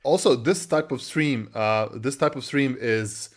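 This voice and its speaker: A young man with a Serbian accent, co-hosting a casual tech livestream as a developer advocate, chatty and quick, often talking over his partner. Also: mid-range voice.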